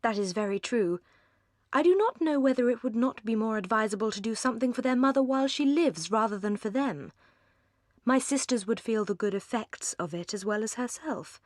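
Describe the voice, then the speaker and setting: A woman voicing a pliable, money-minded gentleman with an English accent, mild and easily swayed. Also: on the high side, animated, a little fast, dry recording, studio quality, close to an everyday voice. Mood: agreeable.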